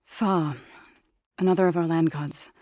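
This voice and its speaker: An actress voicing an earnest young tribal woman warrior in a video game, grave and devout, with measured, careful phrasing. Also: low-pitched, fairly even intonation, mellow, dry recording, studio quality. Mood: solemn. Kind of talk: video game character voice acting.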